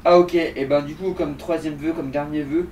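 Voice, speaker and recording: A man's voice: a little high, fairly even intonation, moderate pace, a little mellow. A man hosting a casual comedy vlog, speaking informally and a little hesitantly. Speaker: video creator, host. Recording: echoey, distant, faint background noise.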